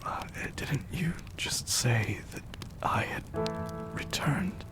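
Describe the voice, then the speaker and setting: A man's voice: fairly high pitch, lively intonation, slow pace, in a whisper. A man playing a bewildered, melancholy departed soul without memories in an audio drama, musing hesitantly through heavy reverb. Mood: confused. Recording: long echoing reverb under loud music.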